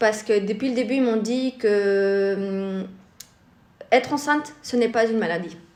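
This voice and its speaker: Moderate pace and ordinary pitch variation, with long, frequent pauses and noticeable background noise. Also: woman, fairly high pitch for a woman. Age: 20s. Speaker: stay-at-home mother. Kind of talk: casual interview chat. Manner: hesitant, many fillers.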